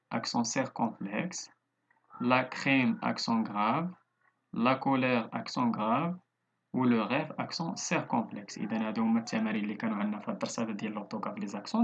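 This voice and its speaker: A man's voice: medium pitch, a little hiss or hum. A man with a Moroccan Arabic accent teaching a recorded online lesson, going through words one by one. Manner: steady explaining, spelling out word after word.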